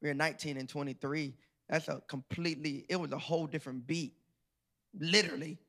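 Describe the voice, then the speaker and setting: A man's voice: a little high, fairly even intonation, a little fast, fairly bright tone. A middle-aged man, telling a playful, laughing story to a live audience as a guest author. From Georgia, USA.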